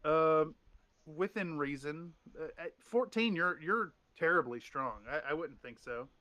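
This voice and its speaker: A man's voice: on the high side, a little slow, bright, forceful tone, no room sound, highs cut off. A man running a tabletop game as game master, rambling with restarts and fillers.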